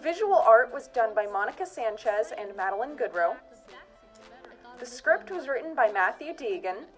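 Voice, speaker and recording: A woman with a fairly high voice gives a scripted credits announcement as the director of a drama. Light music runs behind her. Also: big pitch swings, normal speed. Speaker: director reading closing credits.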